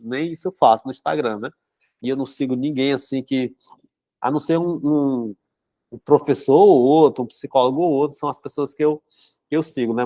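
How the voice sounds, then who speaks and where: A man's voice: mid-range voice, a little mellow, no echo. Stuffy-nosed man chatting. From São Luís, Brazil. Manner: chatty, filler-heavy, frequent "né?". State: congested with a cold, runny nose. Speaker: psychotherapist hosting a book club. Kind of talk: casual live-stream talk and reading aloud.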